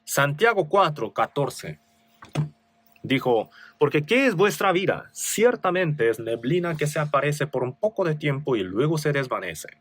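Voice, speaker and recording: A man's voice: fairly high pitch, sing-song, unhurried. A male pastor with a Korean accent preaching a sermon, reading scripture with rising emphasis and asking rhetorical questions.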